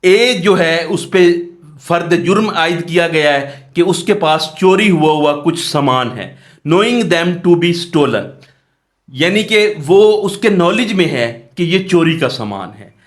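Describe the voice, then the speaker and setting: A man's voice: a little high, expressive, slow. A man with a South Asian accent giving an explanatory law lecture, reading out formal clauses, restating them and answering his own questions. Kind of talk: exam lecture, reading statute in English and explaining it.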